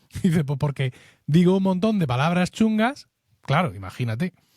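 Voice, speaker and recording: On a very clean recording with a silent background and a dry, close sound with no echo, a man speaks at a fairly quick pace, somewhat breathy, with very wide pitch swings. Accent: Murcian. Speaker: podcast host. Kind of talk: casual panel debate.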